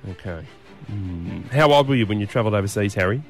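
A man hosting a breakfast radio show, bantering in a deadpan, teasing way. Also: on the low side, quick pace, faint music behind.

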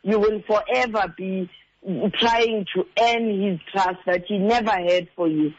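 High-pitched South African Xhosa-accented man, emphatic. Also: fairly even intonation, unhurried, lo-fi sound. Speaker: relationship counsellor. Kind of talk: earnest advice, mixing in two languages.

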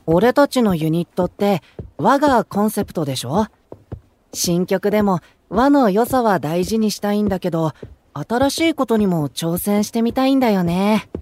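An actor playing a gentle, eager, boyish young male idol in a Japanese voice drama, friendly and earnest. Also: sits high, animated, normal speed. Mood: cheerful, earnest.

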